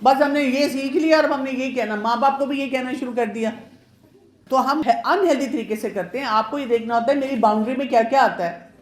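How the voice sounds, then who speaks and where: Lady doctor giving a chatty advice talk, fairly high voice, echoey room. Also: a little hiss or hum. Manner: chatty, advising, switches between Urdu and English words. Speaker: pediatrician giving a marriage awareness talk. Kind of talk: informal lecture to women. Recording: roomy echo.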